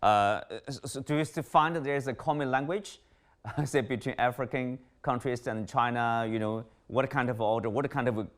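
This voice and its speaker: A man's voice: mid-range voice, normal speed, a bit bright. A man hosting an interview, framing long questions with many fillers. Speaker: interview host.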